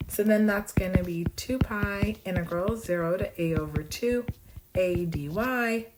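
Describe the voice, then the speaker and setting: A woman math professor losing her voice, hoarse but brisk and bubbly as she rushes through exam solutions with playful asides. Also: fairly low pitch, noisy background. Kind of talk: fast exam walkthrough.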